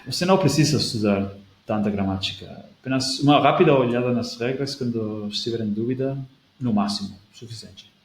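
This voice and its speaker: Casting: male host with a gravelly voice and a non-native Portuguese accent, thinks aloud with restarts, recorded in an echoey room. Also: mid-range voice, a little fast. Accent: non-native speaker of Portuguese, European Portuguese leaning. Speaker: language-learning video host. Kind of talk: casual talk, reading out and answering a viewer comment. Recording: echoey room with faint background noise.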